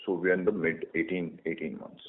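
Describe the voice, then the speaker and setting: A man with an Indian accent answering as a company executive on an earnings call, halting and hesitant as he explains. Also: low voice, little pitch movement. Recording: echoey, muffled conference phone line.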